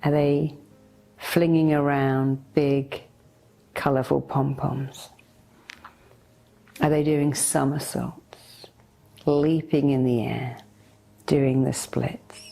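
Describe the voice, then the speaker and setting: A woman leading a guided meditation in a soothing, deliberate way, speaking directly to the listener as a hypnotherapist would. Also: rumbling low, level tone, creaky, mellow, low-quality recording. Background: meditation music.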